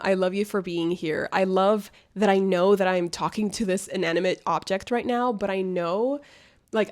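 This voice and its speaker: A young woman vlogging a casual life update, chatty and rambling, her voice nasal and congested from a cold. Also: mid-range voice. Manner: chatty, rambling, affectionate, laughs often. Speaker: booktuber vlogger.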